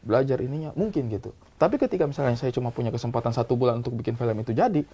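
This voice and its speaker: A man talking as a film director, explaining his views with examples in a casual, animated way. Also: mid-range voice, very fast. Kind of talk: casual discussion.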